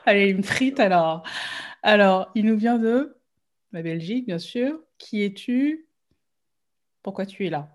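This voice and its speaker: A woman's voice: mid-range voice, lively intonation, a little slow, long pauses. Playful, teasing woman podcast host. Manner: playful, teasing, laughs easily. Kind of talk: casual interview chat.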